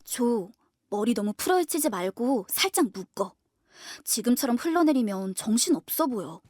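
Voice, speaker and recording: A woman playing a gentle, sensible young eldest sister in an audio drama, speaking in a soft, coaxing, composed way. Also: on the high side, very animated, moderate pace, dry recording, studio quality. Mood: gently chiding. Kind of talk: Korean audio drama acting.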